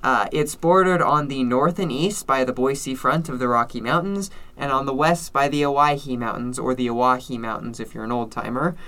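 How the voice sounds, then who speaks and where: A man's voice: medium pitch, normal speed, few pauses, fairly bright tone. A young man from Idaho co-hosting a podcast, rambling through explanations with a sarcastic edge. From Idaho, United States. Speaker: podcast co-host. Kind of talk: casual podcast chat.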